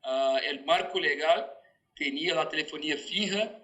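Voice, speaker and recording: A Brazilian man, a native Portuguese speaker, answers formally as an interview guest in halting Spanish mixed with Portuguese. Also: on the high side, bright, forceful tone, dull audio. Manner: halting, searching for words. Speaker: telecom regulator, interview guest.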